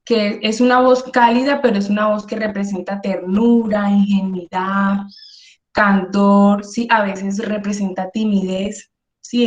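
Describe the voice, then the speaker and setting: A woman's voice: mid-range voice, a little mellow, reverberant, muffled recording. A woman teaching an online workshop, speaking with energy and emphasis and often checking in with her listeners. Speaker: workshop instructor.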